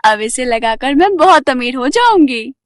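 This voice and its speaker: A woman voicing a jealous, greedy young village woman in an animated story, scheming and pleased with herself. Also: high-pitched, normal speed, no room sound, studio quality. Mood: gleeful. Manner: scheming, self-satisfied.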